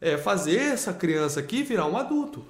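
A man's voice: high-pitched, very animated, a little fast, echoey room. A man with a Brazilian accent, a homeschooling father talking emphatically in a casual conversation, often repeating himself and adding tag questions. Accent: Brazilian Portuguese.

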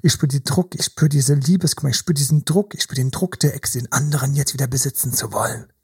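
A man's voice: mid-range voice, steady tone, quick pace, a little mellow, breathy edge. A man talking as a relationship coach in casual podcast conversation, emphatic and repetitive, building vivid images.

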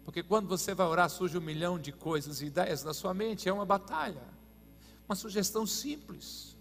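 A man with a high, bright, forceful voice delivers a sermon. He rises to ringing declarations, then drops to hushed, intimate tones. His voice carries a long hall reverb, with faint music underneath. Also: expressive, fairly quick, creaky. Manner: dynamic preaching, swinging from loud declarations to hushed intimate tones. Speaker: pastor.

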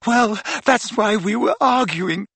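A man voicing a distraught teenage girl who is sobbing, in a breathy, quavering high voice. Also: slow, a bit bright, no room sound, full character voice. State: crying.

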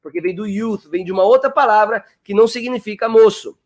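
Speaking in a high voice, a man streams an English lesson live, chatting and gently coaxing his audience. He repeats words slowly to model how they sound and names viewers as they come in.

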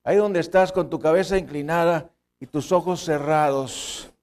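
A man with a northern Mexican accent preaching a sermon as pastor, emphatic, with sudden rises in pitch and loudness, telling humorous anecdotes. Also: normal speed.

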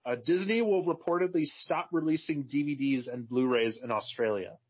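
A man co-hosting a podcast in casual chat, relaxed and agreeable. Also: mid-range voice, moderate pace, slightly rough. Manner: relaxed, agreeable, many yeahs. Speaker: podcast co-host. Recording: dull lo-fi podcast audio.

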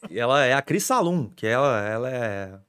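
A young adult man, a sports reporter telling stories in an excitable, animated way on a casual podcast. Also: medium pitch, moderate pace, clean tone.

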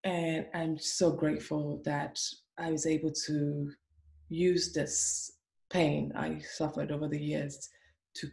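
A woman from Africa hosts a conversation, earnest and emphatic. She slows down to stress her points. Her voice sits very low with a gravelly fry, and the room echoes around her. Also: little pitch movement, a little mellow. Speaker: host. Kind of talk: conversational interview.

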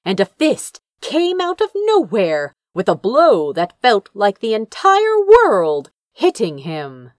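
A woman's voice: a little high, wildly swooping pitch, slow, hardly any pauses, dry recording, clean studio sound. A woman reading a fantasy story aloud as narrator, with theatrical, suspenseful delivery. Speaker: fan fiction narrator.

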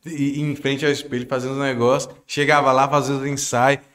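Teasing Brazilian podcast host. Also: male voice, mid-range voice, brisk, clean tone. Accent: Brazilian Portuguese. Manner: relaxed, teasing, slangy. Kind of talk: casual podcast chat.

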